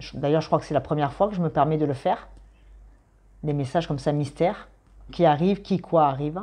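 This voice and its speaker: A woman with a southern French accent, a dark, mellow tone and a fairly quick pace, against a quiet background. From southern France. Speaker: tarot reader and astrologer. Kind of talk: tarot reading video monologue. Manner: casual, hesitant with fillers.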